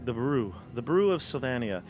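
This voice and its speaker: A man narrating as game master for a live tabletop game, speaking into a headset on a video call. His voice sits at a middle pitch, and his delivery is easygoing and rambling, full of ums and restarts. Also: very animated, normal speed, darkish tone, faint music behind. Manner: rambling, easygoing, many fillers. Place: home room, video call.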